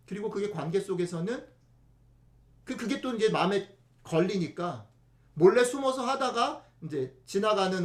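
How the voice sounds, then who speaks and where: A man preaching a casual, conversational sermon in a high, animated voice that swings widely in pitch. He keeps turning to the congregation with rhetorical questions. The sound carries a roomy echo from the church. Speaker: pastor.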